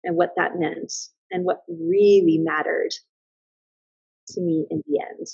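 A woman's voice: on the low side, big pitch swings, measured pace, gravelly, darkish tone, husky, no echo. A woman in her thirties, a mother and business owner, speaking as a podcast guest in a thoughtful, earnest way, often restarting her sentences. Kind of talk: casual reflective interview talk. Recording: slightly dull, lo-fi sound.

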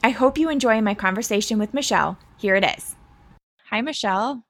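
A woman's voice: a little high, a little fast, fairly bright tone. A woman hosting a parenting podcast, reading an upbeat intro and then chatting with her guest. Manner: upbeat and friendly, scripted intro. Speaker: podcast host.

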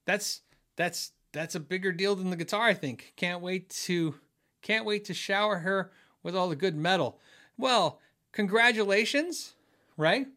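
His high-pitched voice has a sharp tone and a measured pace. The middle-aged man rambles through a casual home-office livestream, reading viewer messages aloud, restarting often and filling pauses with many fillers.

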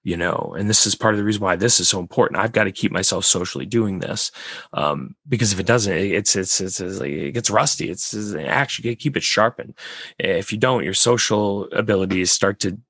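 A man with a raspy voice, hosting a casual podcast chat and rambling with many restarts. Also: on the low side, fairly quick, a bit bright, no room sound.

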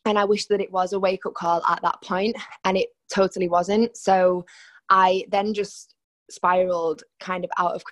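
A woman's voice: on the low side, level tone, moderate pace, no echo. A young woman with a Manchester accent, a personal trainer telling her story on a podcast in a candid, chatty way. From Manchester, England. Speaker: guest, personal trainer and nutritionist. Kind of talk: podcast interview. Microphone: remote call.

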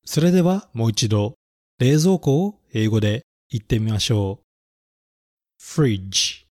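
A man reading a children's story and teaching English words, speaking clearly and carefully and spelling words out letter by letter. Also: medium pitch, animated, measured pace, dark tone, no room sound, clean studio sound. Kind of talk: bilingual children's lesson narration.

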